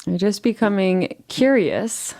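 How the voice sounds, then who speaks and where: A woman leading a guided relaxation meditation in a soothing, gentle way, leaving unhurried pauses between phrases. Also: medium pitch.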